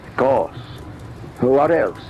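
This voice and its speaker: Weary, fearful widower for vintage radio drama: slow, halting, defensive, on a muffled old recording. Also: male voice, medium pitch, big pitch swings, a little mellow, a little hiss or hum. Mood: evasive, nervous.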